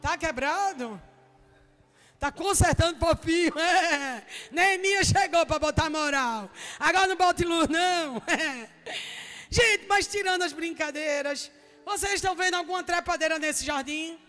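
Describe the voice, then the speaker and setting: Woman preacher, Northeastern Brazilian accent, jokey and chatty with shouted peaks, ringing church hall. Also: very high-pitched, unhurried. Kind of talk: lively humorous sermon.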